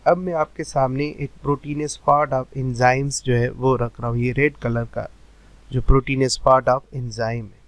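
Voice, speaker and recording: A man teaching a biology lecture, mixing Hindi-with slowly read English textbook lines and answering his own questions. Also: mid-range voice, no echo, rough recording. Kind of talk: recorded lecture over animations.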